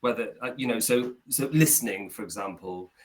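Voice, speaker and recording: A man's voice: lowish voice, a little fast, low-quality recording. Chatty man tutoring by video call. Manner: chatty, repeats points for emphasis. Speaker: English tutor. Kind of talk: casual conversation lesson.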